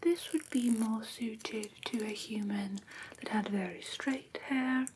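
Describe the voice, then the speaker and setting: A woman voicing a prim, strict vampire teacher in a soft, breathy whisper, formal and precise, for an ASMR roleplay class. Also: on the high side, background noise. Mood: formal, instructive. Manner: formal, precise, deliberate, theatrically stern. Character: prim, strict female vampire teacher of human pet care. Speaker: ASMR performer.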